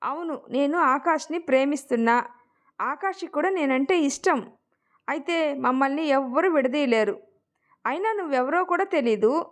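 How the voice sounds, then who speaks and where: A proud young heroine snaps back in sharp, emphatic lines, voiced by the woman narrating. Her voice is high and clear. She is fierce on the surface and heartbroken underneath. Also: moderate pace, natural voice. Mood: defiant.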